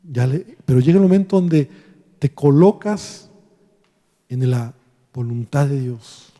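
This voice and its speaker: A man's voice: mid-range voice, animated, slow pace, mellow. A man preaching a sermon as pastor, emphatic and acting out prayers in his own voice. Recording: long church reverb.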